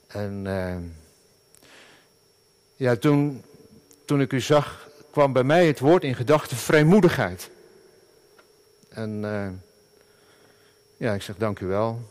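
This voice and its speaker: A middle-aged man, a pastor, preaching a sermon in an earnest, halting way with many fillers and restarts. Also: medium pitch, expressive, a little mellow.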